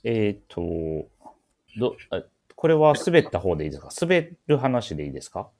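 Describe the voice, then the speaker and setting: A man's voice: fairly low pitch, sing-song, brisk, darkish tone. A man hosting a casual radio show, speaking politely with a teasing touch over a remote connection.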